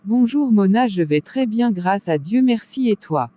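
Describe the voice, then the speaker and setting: A woman playing an earnest, preachy young Christian convert in a scripted animated drama. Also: mid-range voice, measured pace, close to an everyday voice. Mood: polite.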